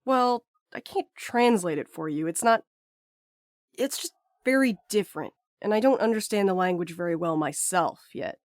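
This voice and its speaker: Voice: mid-range voice, animated, moderate pace, dry recording, natural voice. Wry, stubborn postmaster, acted out, dry sound. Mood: sardonic, flustered. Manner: wry, casual, deflecting with jokes. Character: sardonic, sweary, stubborn young postmaster courier. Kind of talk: naturalistic audio drama acting.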